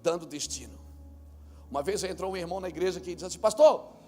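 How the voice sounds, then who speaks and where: A male pastor with a Brazilian Portuguese accent, preaching a lively live sermon at a church conference, telling stories and rising to shouts. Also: high-pitched, fast, soft background music. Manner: animated preaching that builds to shouts; tells stories through acted dialogue.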